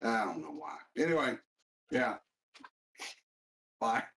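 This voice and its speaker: A man's voice: on the low side, big pitch swings, takes it slowly, fairly bright tone, roomy sound. A man chatting offhandedly on a stream while his microphone keeps cutting out mid-sentence, so his words come through choppy. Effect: mic cutting out mid-sentence, choppy dropouts. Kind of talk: casual stream chat over a call.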